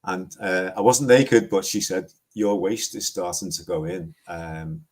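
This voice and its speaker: A man in his sixties with a Liverpool accent, chatting on a livestream in a slow, rambling way. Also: low voice, steady tone, darkish tone. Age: 60s. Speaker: guest. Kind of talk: casual livestream chat.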